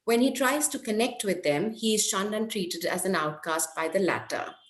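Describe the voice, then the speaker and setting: A woman presenting an academic paper, reading it aloud in a measured, careful way. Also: mid-range voice. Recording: echoey room.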